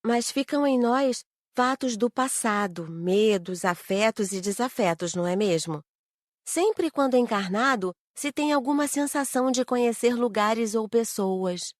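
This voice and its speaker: Woman playing an inquisitive, higher-voiced student spirit. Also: expressive, measured pace, no room sound, studio quality. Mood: thoughtful, curious. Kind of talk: dramatized audiobook character reading.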